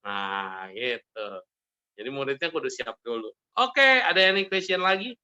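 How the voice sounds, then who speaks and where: A man's voice: mid-range voice, sing-song, normal speed, sharp tone, clean tone, highs cut off. A man, a Buddhist monk, giving a casual sermon full of stories, joking and laughing as he acts out the people in them. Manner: jokey, laughs often, acts out characters in his stories.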